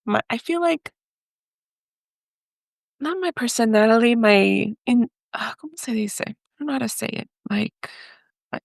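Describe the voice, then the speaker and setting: The voice is a woman's, fairly high and gravelly, a little slow and often pausing, recorded dry at studio quality. Raised in the United States by Mexican parents, she appears as a podcast guest telling her personal story with feeling and hesitation, mixing in Spanish.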